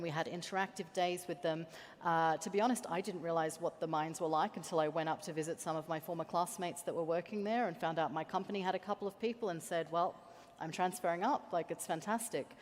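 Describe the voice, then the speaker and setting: A woman engineer on a panel, speaking candidly and enthusiastically, often pausing with ums. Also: low-pitched. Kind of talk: panel discussion. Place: large conference hall. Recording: long reverb of a conference hall.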